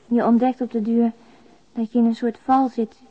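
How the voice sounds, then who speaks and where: Actress as a weary, subdued single mother, higher-pitched. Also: level tone, moderate pace, close to an everyday voice. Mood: weary, resigned. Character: weary, despairing young single mother confiding by letter. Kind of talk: radio drama monologue, letter voice-over. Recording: dull, lo-fi radio drama recording.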